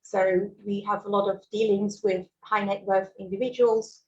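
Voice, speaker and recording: A woman's voice: medium pitch, level tone, moderate pace, a little mellow, muffled recording. A Swiss woman whose first language is German, presenting a mortgage webinar in a friendly way with fillers and small laughs. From Switzerland. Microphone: video call.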